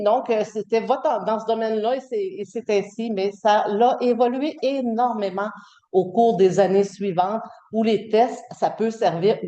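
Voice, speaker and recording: A middle-aged guest lecturer with a Québécois French accent teaches a university class, chatty and full of fillers and restarts. Her mellow, relaxed voice sits at medium pitch in an echoey room, and the highs in the audio are cut off.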